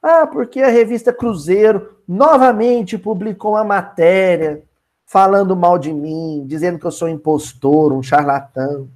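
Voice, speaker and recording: A man's voice: high-pitched, unhurried, darkish tone, pitched below the performer's own voice. A man voicing another man who complains, hurt and aggrieved. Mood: hurt complaining. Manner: plaintive, aggrieved. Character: distressed, wounded middle-aged man complaining.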